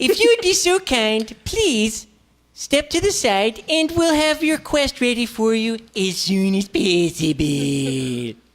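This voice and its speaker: In a put-on character voice, a woman talks at a fairly slow pace in a cheerful tone, her fairly high pitch swinging very widely. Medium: actual play. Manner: perky, cheerful.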